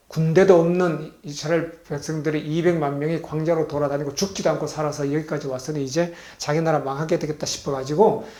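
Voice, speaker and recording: A middle-aged male pastor delivers a sermon in a fairly high voice. He quizzes his listeners and answers for them. His voice swells with emphasis and then drops quietly at the end of each thought. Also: vocal fry. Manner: animated preaching, rising loud when stressing points, dropping soft at sentence ends; asks the congregation questions and answers himself.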